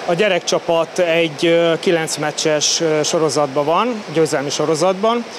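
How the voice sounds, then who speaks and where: A man speaks with a high pitch at a fairly slow pace. Noticeable background noise runs behind him. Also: ordinary pitch variation. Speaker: water polo coach. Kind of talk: interview. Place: hall. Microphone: handheld.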